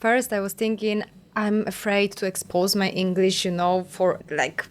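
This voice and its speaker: Female podcast host, Polish accent, chatty and encouraging, mid-pitched. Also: steady tone, brisk, clear, resonant tone. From Poland. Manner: warm, laughs often, affirming. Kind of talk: casual interview chat.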